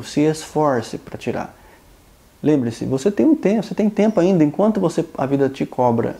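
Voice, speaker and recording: A man's voice: medium pitch, creaky, warm tone. A Brazilian Portuguese-speaking man hosting his own channel, giving an earnest self-help talk aimed straight at the listener. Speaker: channel host.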